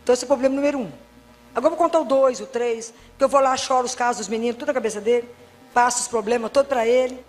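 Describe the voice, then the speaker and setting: A woman's voice: a little high, very fast, darkish tone. A middle-aged woman doctor from Brazil, giving a religious talk full of personal stories and acted-out dialogues, with humor. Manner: chatty storyteller acting out dialogues, humorous. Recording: long reverb in a hall.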